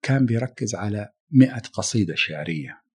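A middle-aged man from Arabia, a musician guest talking in a casual interview, reflective and halting, often restarting his phrases. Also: fairly low pitch, expressive, a little mellow, breathy edge. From Saudi Arabia.

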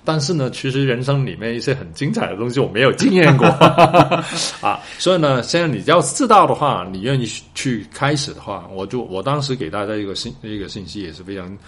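A man's voice: mid-range voice, lively intonation, fairly quick, hardly any pauses, a bit bright. A middle-aged or older man, not a native Mandarin speaker, tells stories reflectively in accented Mandarin, searching for words and repeating phrases. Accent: non-native Mandarin. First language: not Mandarin; says their Mandarin is poor. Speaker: academic guest, researcher and teacher. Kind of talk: reflective conversational storytelling.

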